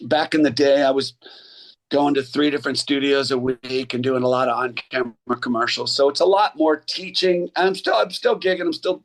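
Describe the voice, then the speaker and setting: A man in his sixties, an actor and voice coach, telling animated stories in a casual interview and slipping into others' voices. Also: mid-range voice, fairly quick. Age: 60s.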